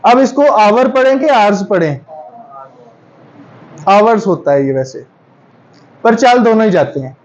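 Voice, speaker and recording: A male English pronunciation teacher, correcting students and repeating words slowly to drill stress in a classroom. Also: high-pitched, animated, highs cut off. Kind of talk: classroom lesson.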